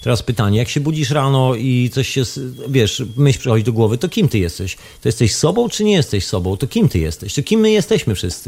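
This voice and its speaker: A man's somewhat breathy, medium-pitched voice at a fairly quick pace, with very wide pitch swings. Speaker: radio host. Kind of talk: casual chat. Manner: animated.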